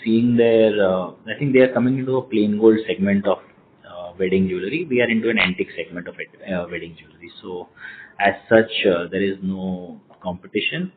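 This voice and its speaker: A thin, band-limited conference phone line carries a man with a fairly deep voice and an Indian accent. He answers investors as a company executive. His delivery is hesitant, circling back over words and phrases. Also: steady tone, brisk, slight background noise. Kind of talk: earnings call question and answer.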